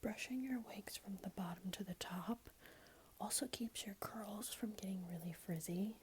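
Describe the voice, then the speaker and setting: A woman whispering breathily and gently in an ASMR tutorial, explaining things in an unhurried way. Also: medium pitch, slight background noise. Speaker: ASMR creator giving a wig styling tutorial. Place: small room at home, indoors.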